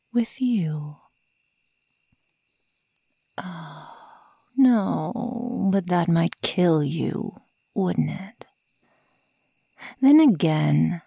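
A woman voicing a sadistic, predatory werewolf girl who taunts her prey in a breathy whisper, in an ASMR roleplay. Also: low voice, mellow, dry recording, heavily acted. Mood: cold, threatening, then cruel, stern. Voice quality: breathy, mostly whispered, creaky. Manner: slow, taunting, menacing.

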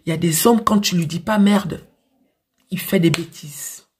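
A young adult woman with an African French accent and a husky voice, giving frank, emphatic advice straight to the camera like a big sister. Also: on the low side, unhurried, a little mellow. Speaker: social media advice creator. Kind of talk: direct-to-camera advice talk. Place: small dim indoor room. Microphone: phone at arm's length.

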